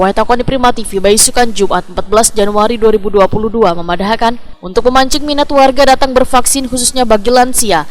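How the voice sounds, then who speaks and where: A woman reads a scripted news report as a voice-over. Her voice sits a little high, and she speaks with a Banjar accent from South Kalimantan. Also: a little hiss or hum.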